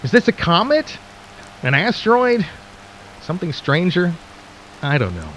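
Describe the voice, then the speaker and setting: A male actor plays a late-night radio DJ in a radio drama, a folksy man with a slightly higher-than-average voice. He talks to listeners intimately and conversationally, intrigued yet skeptical, leaving theatrical pauses. A faint hiss sits behind him. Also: wildly swooping pitch, fairly bright tone, exaggerated voice, low-quality recording. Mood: hushed intrigue. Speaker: radio host.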